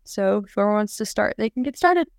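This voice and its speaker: A woman's voice: mid-range voice, expressive, a little fast, gravelly, dry recording, clean studio sound. A woman moderating an interview and welcoming the guests in an upbeat way. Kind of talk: casual moderating.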